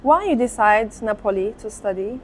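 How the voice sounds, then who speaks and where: A woman's voice: a little high, expressive, moderate pace, a little hiss or hum. A woman interviewer asking short, simply worded questions in imperfect English.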